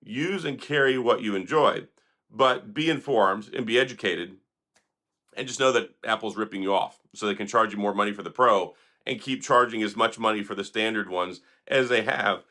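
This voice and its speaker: A hoarse man, sick for days, hosting an opinionated tech commentary vlog in a sarcastic, critical, rambling manner. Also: on the low side, normal speed, pushed and bright. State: hoarse, recovering from illness. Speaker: tech video host.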